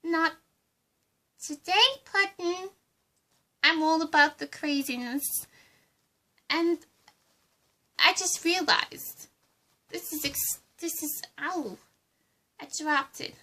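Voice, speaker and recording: A woman's voice: high voice, slow pace, long pauses, sharp tone, full character voice. A woman voicing a giddy, unhinged female villain with a put-on accent in a fan roleplay, bubbly and eager to please. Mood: manic.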